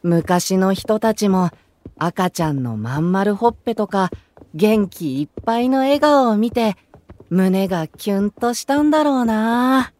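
A woman playing a gentle, earnest young male idol in a voice drama, explaining things kindly. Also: medium pitch, expressive, a little slow, close to an everyday voice. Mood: gentle, reflective. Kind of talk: anime-style voice drama acting. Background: music.

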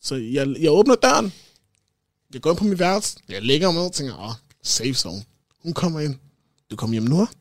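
Animated young man telling stories. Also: a little high, dry recording, clean studio sound. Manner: animated storyteller, laughs often. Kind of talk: casual chat.

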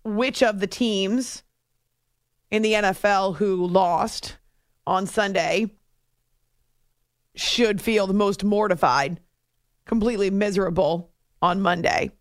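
A woman hosting a sports radio show in a chatty, animated monologue from a studio. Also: mid-range voice, takes it slowly, long pauses, dry recording. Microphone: close studio microphone.

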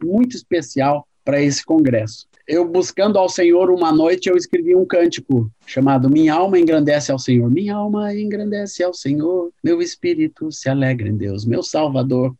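A Brazilian man, a worship songwriter, warmly recounting stories in an interview. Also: fairly high pitch, normal speed, hardly any pauses, no room sound, highs cut off. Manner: warm, devout, anecdotal. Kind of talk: storytelling interview answers.

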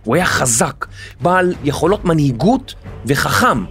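A man hosting a history podcast, telling the story in a lively, animated scripted narration. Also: fairly high pitch, vocal fry, soft background music.

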